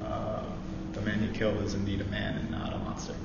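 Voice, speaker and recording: A young American man, a student veteran, reading a novel passage aloud in earnest, after a halting introduction. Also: fairly low pitch. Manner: halting intro with many fillers, then steady earnest reading. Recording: roomy echoey hall, dull lo-fi sound, noisy.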